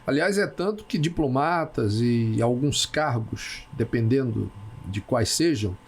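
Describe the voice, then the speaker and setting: A man hosting a casual talk show, who speaks haltingly and repeats words as he searches for them. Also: mid-range voice, animated.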